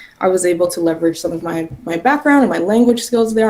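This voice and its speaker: Amid noticeable background noise, a woman with an American accent talks at a fairly quick pace. Her intonation is lively. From US, Denver. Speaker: robotics engineer, guest speaker. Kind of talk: presentation.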